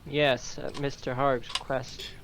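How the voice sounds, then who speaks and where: A man's voice: mid-range voice, flat delivery, slow, fairly bright tone. A man casually commenting on a video game and reading its dialogue aloud. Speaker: gaming co-commentator voicing characters. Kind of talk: casual playthrough banter and dubbing. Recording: game music behind the voice.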